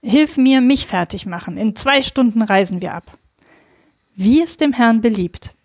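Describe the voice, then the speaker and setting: A woman's voice: a little high, animated, measured pace, darkish tone, dry recording, clean studio sound. A woman voicing an urgent, commanding male scholar in a read-aloud story. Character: hurried middle-aged male scholar.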